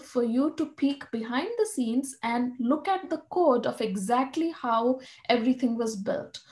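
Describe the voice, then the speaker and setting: Her intonation is lively and her pitch is high. This woman talks at a moderate pace against a quiet background. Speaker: AI instructor. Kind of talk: teacher training webinar. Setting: video call with screen sharing. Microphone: webcam.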